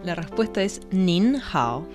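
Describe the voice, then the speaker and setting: A woman's voice: on the low side, big pitch swings, takes it slowly, music in the background. A woman co-hosting a radio language lesson, announcing segments and repeating phrases after the teacher. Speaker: co-host and learner.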